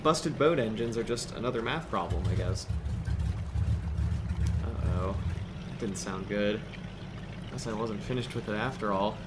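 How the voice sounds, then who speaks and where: An actor playing a modest, practical young mechanic in a naturalistic audio drama. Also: male voice, lowish voice, measured pace, pauses often, natural voice. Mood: concerned. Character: modest, practical young man, small-town boat mechanic. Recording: boat and water noise behind voice.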